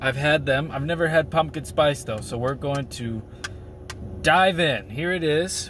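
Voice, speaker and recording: The voice moves at a fairly slow pace with ordinary pitch variation. The sound is dry with no echo, over light background noise. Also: man, fairly high pitch for a man. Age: 30s. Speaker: YouTube product reviewer. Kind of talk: casual vlog review. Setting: in a car. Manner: casual, hesitant with fillers. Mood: playful, mock dramatic. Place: car. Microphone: phone near.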